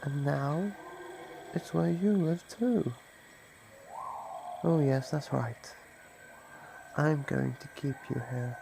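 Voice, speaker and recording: A man playing an ancient, predatory monster in an ASMR roleplay, taunting and possessive in a gravelly, theatrical voice. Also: a little high, slow pace, long pauses, background noise. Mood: possessive, smug. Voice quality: gravelly, creaky. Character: ancient predatory male monster, menacing, gloating, possessive hunter. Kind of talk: ASMR roleplay, dramatic monologue.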